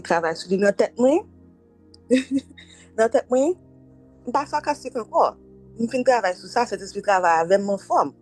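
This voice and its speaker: A woman preaches in a loose, conversational way, laughing and acting out little dialogues. Her voice is warm and slightly breathy. Soft music plays faintly underneath. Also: medium pitch, low-quality recording. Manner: conversational, animated with laughs and acted-out quotes. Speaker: preacher leading midday prayer. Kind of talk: informal sermon, mixing Creole, French and English.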